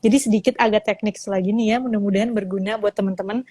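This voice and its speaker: A woman's voice: medium pitch, steady tone, quick pace, darkish tone, no echo. A woman from teaching public speaking in a casual live-stream chat, explaining and acting out examples with changing intonation. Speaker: public speaking lecturer, guest. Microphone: live-stream phone mic.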